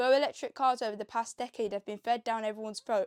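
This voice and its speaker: A woman's fairly high, animated voice at a very fast pace, with a dry, close sound and no echo. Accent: Birmingham. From England, Birmingham. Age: 20s. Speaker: YouTuber. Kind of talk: vlog monologue. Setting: home bedroom.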